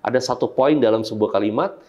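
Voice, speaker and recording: A man's voice: mid-range voice, fast, darkish tone. A man, a public speaking coach explaining his method point by point in an interview, often repeating phrases to demonstrate emphasis.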